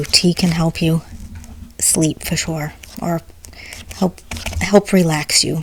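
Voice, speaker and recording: Whispering, a woman moves very slowly through her words. Behind her sits noticeable background noise. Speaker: ASMR storyteller. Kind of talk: reading aloud; casual chat.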